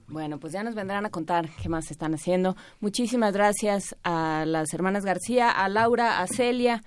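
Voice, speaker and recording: A woman co-hosting a morning radio show in lively casual chat. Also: medium pitch, normal speed, clear, resonant tone, no echo. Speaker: radio co-host.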